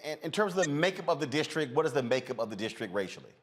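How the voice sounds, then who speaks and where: A man's voice: medium pitch, very animated, very fast, over a noisy crowd. A man hosting a talk show, asking questions in a loose, conversational way with frequent filler sounds. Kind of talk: conversational interviewing.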